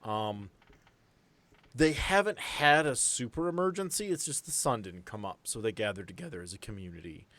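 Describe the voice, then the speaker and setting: A man with a low-pitched voice runs a tabletop game. He narrates scenes off the cuff in a casual, descriptive way and talks directly to his players. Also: animated, moderate pace, fairly bright tone. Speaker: game master.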